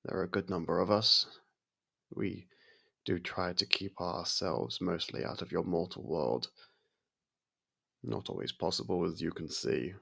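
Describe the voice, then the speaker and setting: A man playing an aloof centuries-old vampire who grudgingly cares for a human, in an intimate ASMR roleplay, gravelly, husky and measured with a slightly haughty, halting delivery. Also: sits low, sharp tone, full character voice. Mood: measured, explanatory.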